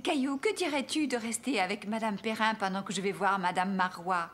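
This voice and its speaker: A woman's voice: mid-range voice, a little fast, fairly bright tone, close to an everyday voice. A woman voicing a kindly, cheerful grandmother in a French-dubbed children's cartoon. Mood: polite. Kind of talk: children's cartoon dub acting.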